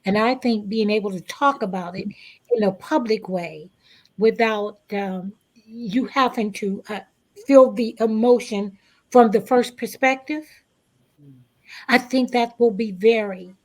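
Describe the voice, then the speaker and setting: A woman's voice: mid-range voice, a little mellow, poor audio. Woman guest in an interview, earnest, emphatic, repeats phrases to make her point. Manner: earnest, emphatic, deliberate repetition. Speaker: stage actress, guest. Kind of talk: conversational interview.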